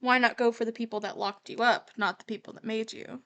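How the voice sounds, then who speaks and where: Casting: female livestreamer, fairly high voice, candid and casual, thinks aloud while reacting. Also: fairly even intonation, a little fast, a bit bright. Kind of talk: casual reaction commentary on a horror series.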